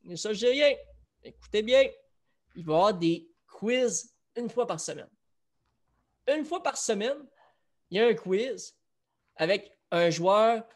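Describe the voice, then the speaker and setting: A host with a Quebec French accent runs a trivia quiz for viewers on a casual sports chat show. His voice sits high, and he talks loosely while keeping things moving.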